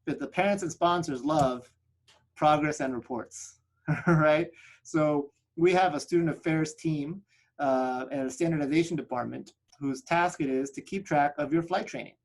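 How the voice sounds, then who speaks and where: On a video call webinar, a Spanish-speaking man pitches a flight school with upbeat salesmanship, often tacking "right?" onto his points. His voice is a little mellow, and the recording is rough.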